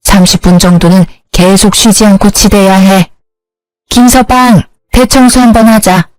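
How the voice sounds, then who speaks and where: A woman's voice: medium pitch, fairly even intonation, unhurried, lightly acted. A woman voicing a nagging middle-aged mother-in-law who runs a hair salon and orders people about. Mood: bossy. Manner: scolding, bossy.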